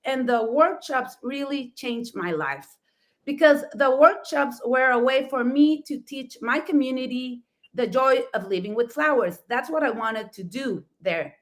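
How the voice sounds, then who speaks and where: A woman's voice: high voice, animated, unhurried. A middle-aged woman from Mexico with a Mexican accent, a native Spanish speaker, telling personal stories emphatically and effusively as a talk show host.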